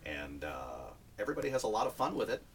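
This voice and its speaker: A man's voice: on the low side, very animated, fast talker, creaky, slight background noise. A man who coaches voiceover talent, chatting casually and joking in an interview. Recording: distant mic with faint ambience.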